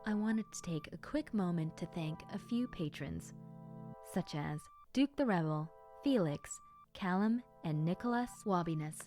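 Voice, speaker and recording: Lower-pitched woman thanking viewers. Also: expressive, a little slow, mellow. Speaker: voice actor and video creator. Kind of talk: friendly scripted channel sign-off and announcement. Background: faint music.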